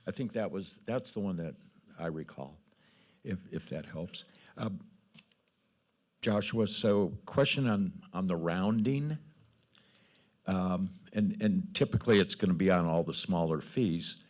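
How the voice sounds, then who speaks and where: A man with a deep voice speaks as a council member in a public meeting. He frames questions and remarks tentatively. The phrasing comes in halting pieces. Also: darkish tone.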